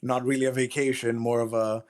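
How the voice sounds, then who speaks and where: Mid-pitched man, casual interview guest. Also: little pitch movement, fairly quick. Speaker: interview guest, fiction writer.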